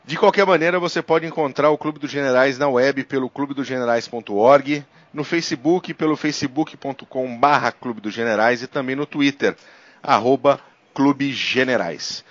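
A man's voice: mid-range voice, normal speed, a bit bright, dry recording, highs cut off. A Brazilian man hosting a podcast, introducing segments and guests in casual talk. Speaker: podcast host.

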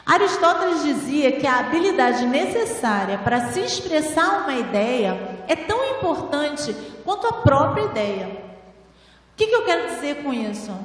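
A woman with a high voice gives a spiritual talk to a seated audience, teaching patiently and asking rhetorical questions. She speaks into a handheld microphone, but her voice arrives from a distance. It is wrapped in the long, booming reverb of a large hall. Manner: didactic, rhetorical questions, frequent "né?". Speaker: lecturer at a spiritual temple. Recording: echoey hall, voice from far off.

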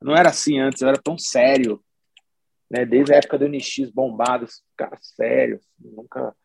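Speaking quickly in a creaky, mid-range voice, a musician chats loosely during an interview. He rambles comfortably, restarts sentences, and leans heavily on slang.

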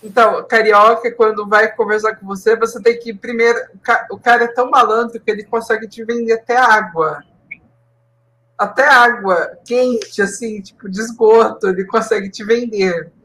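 Co-host: woman, Southeastern Brazilian accent, chatty and laughing, bright tone. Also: a little high, steady tone, moderate pace, rough recording. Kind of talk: casual live podcast chat.

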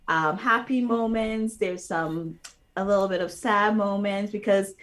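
An earnest woman author talks through her children's books in a relaxed interview. Her voice sits at a middle pitch, and she speaks thoughtfully, often pausing with fillers and restarting her sentences. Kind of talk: casual interview talk.

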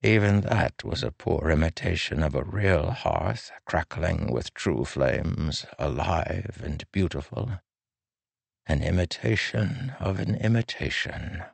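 A man voicing a frail, weary old king who speaks with a soft, drawn-out, sorrowful delivery. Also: sits low, lively intonation, gravelly, dry recording, heavily acted. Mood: melancholy. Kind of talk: audiobook character voice.

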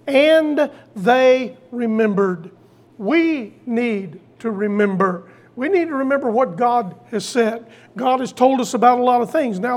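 An older preacher delivers a sermon in a folksy, storytelling style, deliberately repeating phrases for emphasis. His voice is mid-range.

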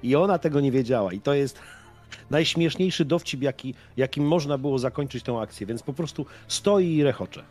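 A man's voice: medium pitch, moderate pace, darkish tone, soft background music. A young man playing in a tabletop game, describing his character's actions with amusement. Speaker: player.

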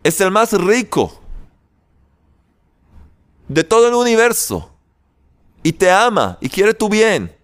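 A man preaching a sermon in an animated way, firing off rhetorical questions and leaving dramatic pauses. His voice sits high and leaps up and down in lively swings, with a slow, deliberate delivery. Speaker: religious teacher.

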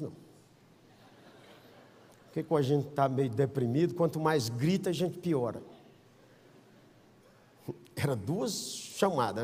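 Man, Brazilian accent, pastor, animated sermon storytelling, high voice, long reverb. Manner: animated storyteller, acts out quotes, swings from shouting to hushed. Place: church.

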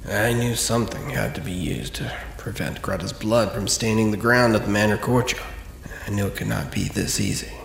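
A man voicing a calm, measured male knight questioning suspects. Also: fairly low pitch, gravelly, echoey room, slight background noise.

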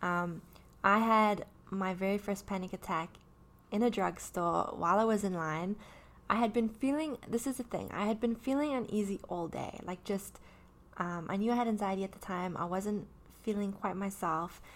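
A woman's voice: medium pitch, moderate pace. A woman in her early thirties talking candidly about her own anxiety, rambling with many fillers and restarts. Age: 30s. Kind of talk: personal talk about anxiety.

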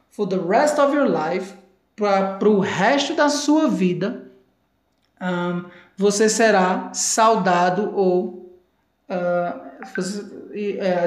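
A woman with a Brazilian Portuguese accent teaching English from a video clip, repeating English phrases slowly and carefully. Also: mid-range voice, roomy sound. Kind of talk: language lesson explaining a video clip.

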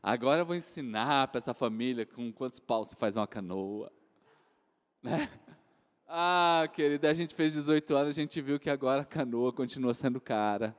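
A man in his forties with a Brazilian accent preaching a sermon, swinging from loud exclamations to soft joking asides. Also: mid-range voice, moderate pace. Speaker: pastor. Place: church hall. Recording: reverberant church hall.

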